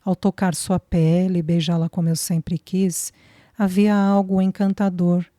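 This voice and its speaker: A woman reading the lines of a tender young man in love, in a soft, earnest, reassuring way. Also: on the low side, level tone, a little slow, no room sound, studio quality, close to an everyday voice. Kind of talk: audiobook dialogue reading.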